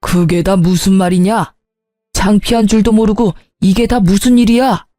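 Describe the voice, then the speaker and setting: Woman doing a stern gruff father-in-law. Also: medium pitch, steady tone, moderate pace, mellow, no room sound, clean studio sound, faint music behind, lightly acted.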